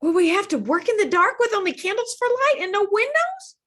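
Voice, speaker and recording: A woman's voice: very high-pitched, sing-song, a little fast, fairly bright tone, voice pushed up, heavily acted. A woman voicing a young girl hippo in a storybook, fretful and dramatic about everything. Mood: fearful. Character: anxious young girl hippo dreading preschool.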